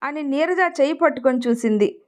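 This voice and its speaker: A woman's voice: sits high, brisk, dark tone. A woman with a Telugu accent narrating a family story and lightly voicing each character's lines. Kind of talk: storytelling narration with acted dialogue.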